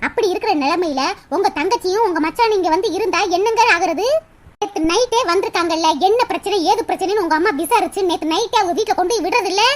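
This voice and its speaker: A woman voicing a sharp-tongued young wife in a cartoon, scolding and sarcastic with mocking laughs. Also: extremely high pitch, quick pace. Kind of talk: cartoon voice acting.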